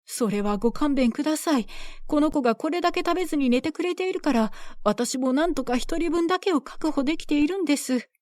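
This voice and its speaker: A woman playing an exhausted village mother at the end of her strength, pleading with her neighbors and close to tears. The voice rides high and strained. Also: expressive, brisk, darkish tone, no room sound. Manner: pleading, desperate and tearful. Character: worn-out poor mother pleading for her son.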